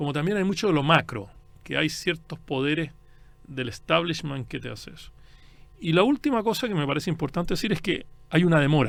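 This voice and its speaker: With music in the background, a man talks at a fairly quick pace and a fairly high pitch, using lively intonation and big swings in loudness. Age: 60s. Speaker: guest speaker. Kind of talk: radio interview.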